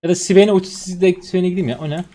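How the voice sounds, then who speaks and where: A man in his twenties from Turkey, streaming a game and commenting on his play, swinging from low muttering to loud excited outbursts. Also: fast talker. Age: 20s. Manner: swings from muttering to shouting and laughing.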